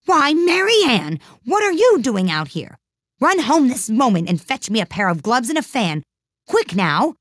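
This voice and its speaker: A woman's voice: on the high side, very animated, normal speed, fairly bright tone, husky, no echo, clean studio sound, voice pushed up, exaggerated voice. A woman voicing a fretful, bossy white rabbit for a storybook, in agitated exclamations. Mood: angry, bossy.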